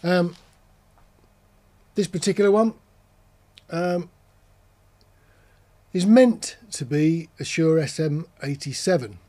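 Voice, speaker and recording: A man's voice: on the high side, takes it slowly, long pauses, mellow. A man giving a casual explainer as a presenter, talking in a matter-of-fact, conversational way, step by step. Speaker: presenter of an audio gear channel.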